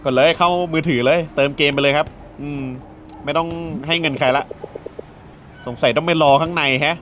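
A man's voice: on the high side, steady tone, normal speed, fairly bright tone, a little hiss or hum. A man playing through a video game, joking around and reading the dialogue aloud as he goes. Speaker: gaming YouTuber. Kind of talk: let's play commentary.

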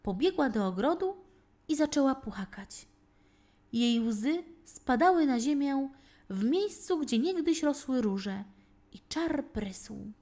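Female fairy tale narrator for children: high-pitched, unhurried, very melodic and expressive delivery. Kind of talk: scripted children's storytelling.

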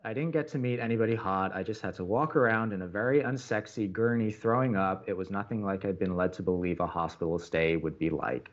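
A man playing a conciliatory young college radio co-host in an audio drama, placating and a little hesitant, expressive when reading aloud. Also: fairly low pitch, a little fast, few pauses, lo-fi sound, close to an everyday voice. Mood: dry.

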